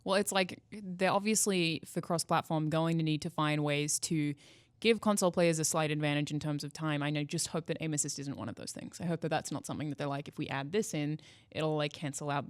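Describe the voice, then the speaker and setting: Low-pitched, fast-talking woman. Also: dry recording, clean studio sound. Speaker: gaming show panelist. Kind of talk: opinionated casual panel discussion.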